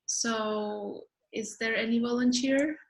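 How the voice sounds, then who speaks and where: A woman with a fairly high voice leads introductions on a video call. She speaks slowly and hesitantly, with many fillers. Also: fairly even intonation, creaky. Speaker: moderator of introductions. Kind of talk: casual meeting facilitation.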